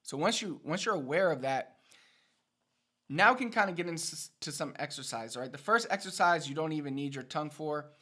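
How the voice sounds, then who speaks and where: Man, slightly high voice, pronunciation teacher, casual lesson delivery, trilled rolled R demonstrations. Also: expressive, fairly quick, pushed and bright. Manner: demonstrates rolled R trills and syllables between explanations.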